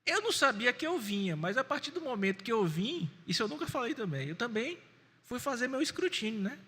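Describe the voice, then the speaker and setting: A Brazilian Portuguese-accented man preaching as a pastor in a church, in an animated, folksy storytelling way. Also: very high-pitched, brisk, slightly rough. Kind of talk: sermon. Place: church sanctuary. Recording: long church reverb.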